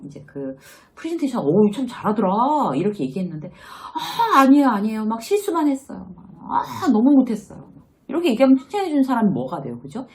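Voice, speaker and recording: A middle-aged woman gives a talking-head lesson on self-esteem, her pitch rising and falling across a wide range. She slips into short acted quotes of worried inner voices and keeps an easy, chatty delivery. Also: warm tone. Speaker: workplace lecturer and author.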